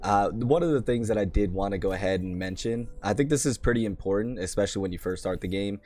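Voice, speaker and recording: Gaming host, man, voice shot and hoarse, low-ish, casual rambling guide talk. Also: quick pace, a little mellow. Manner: chatty, rambling, self-deprecating. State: hoarse, worn-out voice. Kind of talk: casual game guide commentary.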